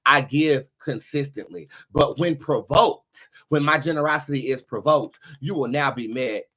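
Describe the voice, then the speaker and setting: A man's voice: fairly high pitch, a little slow, a bit bright, slightly rough. A man hosting a tarot show in casual livestream talk, with a sassy, emphatic, profanity-laced delivery. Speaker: host of a tarot reading show.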